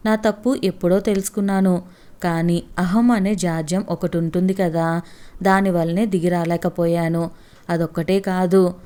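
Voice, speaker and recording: Old grandpa as a lady reads him, mellow low voice, gruff then soft. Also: natural voice. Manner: shouting while coughing, later gentle.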